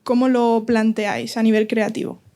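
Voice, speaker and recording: High, flat-toned woman moderator. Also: normal speed. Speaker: panel moderator. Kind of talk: asking panel questions.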